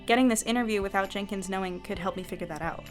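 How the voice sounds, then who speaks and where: A woman's voice: mid-range voice, fast talker, soft background music, lightly acted. A woman playing an earnest, curious young journalist in a fiction podcast, polite and a little hesitant. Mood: candid, wry. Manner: hesitant, stammering when caught out, polite. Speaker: newspaper editor and narrator. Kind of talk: fiction podcast acting and narration.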